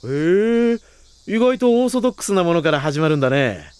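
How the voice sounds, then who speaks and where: A man's voice: fairly high pitch, sing-song, fairly quick, a little mellow, clear, resonant tone, dry recording. An actor playing a polite male reporter who keeps getting baffled and exasperated, in an anime drama CD. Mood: friendly. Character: flustered male reporter, polite, easily rattled.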